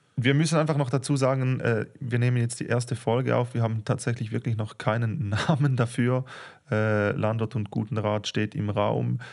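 In front of a quiet background, a man with an unremarkable speaking voice talks at a medium pitch and moderate pace, his intonation fairly even. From Switzerland. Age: 30s. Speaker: stand-up comedian, podcast co-host. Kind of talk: casual chat.

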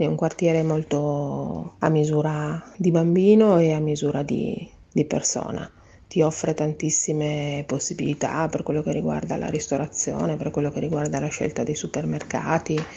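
A woman with a very deep, low pitch keeps a moderate pace and fairly even intonation. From Turin, Italy (early childhood in Liguria). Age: 50s. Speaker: sales representative, neighbourhood resident. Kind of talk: personal testimony.

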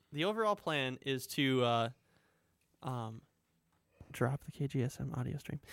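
The speaker has an Upper Midwest accent. The delivery is fairly slow, with long, frequent pauses. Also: man, medium pitch for a man, ordinary pitch variation, very clean recording, silent background. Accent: Upper Midwest American. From rural Minnesota. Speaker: college podcast co-host. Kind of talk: casual chat.

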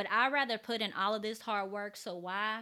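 A woman talks at a moderate pace with a bright, sharp tone. Her pitch is fairly high. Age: 30s. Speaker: parenting podcast host. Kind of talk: solo podcast monologue. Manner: casual, conversational with fillers.

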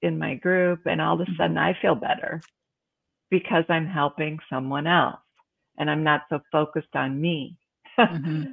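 A woman's normal speaking voice, fairly low in pitch, with an American accent and a moderate pace. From United States. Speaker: author and breast cancer survivor coach. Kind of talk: podcast interview.

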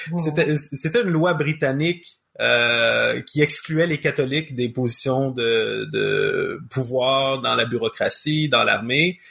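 A man at a very slow pace with hardly any pauses. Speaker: podcast co-host. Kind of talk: panel discussion.

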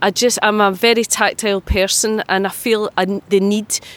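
A woman speaks at a moderate pace with a Glaswegian accent, her medium-pitched voice sounding dry and close with no echo. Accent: Glaswegian Scottish. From Glasgow, Scotland. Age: 50s. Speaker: Glasgow native of Irish ancestry. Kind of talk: casual interview.

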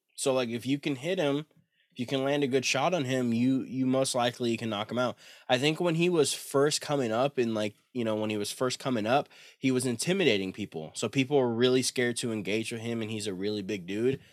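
This man has an American accent and a plain, everyday voice, speaking at a fairly quick pace with medium pitch and ordinary pitch variation. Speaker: podcast co-host, MMA talk. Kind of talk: casual banter podcast. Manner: casual, laughing, bro-speak.

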